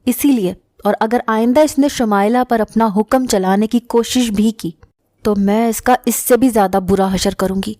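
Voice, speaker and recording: A woman's voice: a little high, mellow, no room sound, studio quality, natural voice. A woman voicing a cruel, scheming middle-aged aunt who speaks in a harsh, taunting way in a spoken story.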